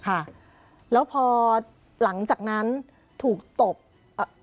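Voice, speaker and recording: A woman hosting a TV talk show from Thailand, briskly recapping the news and asking pointed questions. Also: mid-range voice, dry recording. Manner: brisk, leading questions with short acknowledgements.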